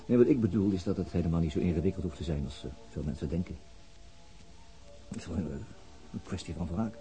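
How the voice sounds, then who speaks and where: Brooding veteran police detective, middle-aged, low voice, radio play naturalism. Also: male voice, fast, mellow, soft background music, poor audio. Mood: weary, brooding. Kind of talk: naturalistic Dutch radio drama acting.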